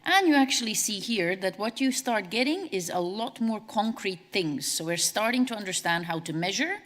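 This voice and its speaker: A woman from Latvia, giving a brisk, conversational conference presentation as a CEO. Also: mid-range voice, lively intonation, fairly bright tone. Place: large conference hall. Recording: long hall reverb.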